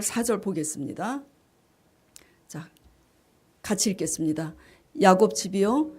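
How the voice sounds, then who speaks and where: A woman pastor giving a sermon. She asks her congregation questions and answers them herself, and she reads scripture in a hushed, slower voice. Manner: rises in pitch and volume on key phrases. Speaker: senior pastor.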